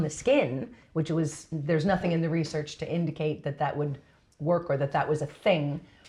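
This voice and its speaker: Somewhat breathy and fairly low in pitch, a woman with an American accent speaks at a fairly quick pace. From US, San Francisco. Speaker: business founder. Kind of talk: interview.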